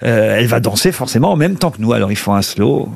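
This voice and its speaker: A man hosting a radio show, telling a joke in an animated way and bantering with guests in the studio. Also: mid-range voice, fast talker, vocal fry, husky, no echo. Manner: animated storyteller, playful questions.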